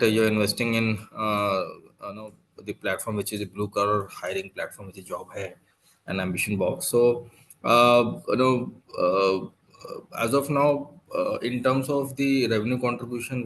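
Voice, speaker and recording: Male analyst, Indian accent, lowish pitch, meandering question style, faint noise on the call line. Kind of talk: spoken questions on a conference call. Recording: noisy conference call line.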